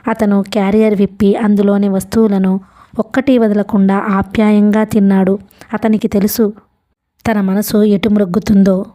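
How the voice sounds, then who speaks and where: A woman's voice: little pitch movement, normal speed, dark tone. A woman reading a novel aloud as an audiobook narrator, lifting her voice slightly for the characters' dialogue. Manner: reads all characters with small pitch lifts for dialogue.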